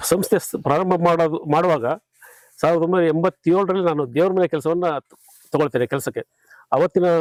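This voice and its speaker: High-pitched male voice at very even loudness, with a dry, close sound and no echo. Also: fairly even intonation. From North Karnataka, Haveri district. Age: old. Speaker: electrical contractor and farmer. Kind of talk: interview. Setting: outdoors on a farm.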